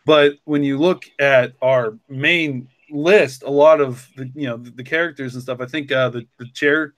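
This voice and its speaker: A man's voice: mid-range voice, steady tone, moderate pace, fairly bright tone, no room sound. A man talking casually and reflectively, rambling with lots of "like" and "you know". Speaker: podcast co-creator and story author.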